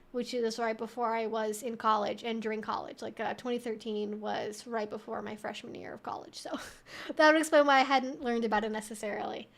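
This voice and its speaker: High-pitched, chatty young woman livestreamer. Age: 20s to 30s. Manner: chatty, informal, thinking out loud. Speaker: livestream host answering viewer questions. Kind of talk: casual Q&A livestream chat.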